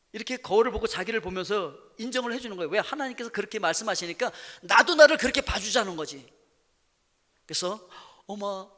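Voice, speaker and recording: Brief: a pastor with a high, bright voice, dramatic delivery, in a reverberant sanctuary. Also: male voice. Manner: dramatic, swinging from loud to hushed. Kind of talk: sermon. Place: church sanctuary. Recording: echoey church hall.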